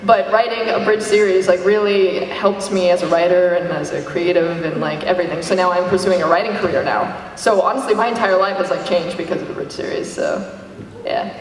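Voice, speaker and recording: A woman's voice: on the low side, fairly quick. A woman panelist chatting casually and jokily at a convention, with an informal manner. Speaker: panelist, creator of an abridged parody series. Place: large convention panel room, amplified. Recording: echoey hall, far from mic, noisy.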